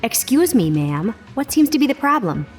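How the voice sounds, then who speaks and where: A woman's voice: fairly high pitch, big pitch swings, moderate pace, darkish tone, soft background music. An actress playing a polite but firm, protective female store manager in an audio drama. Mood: firm, concerned.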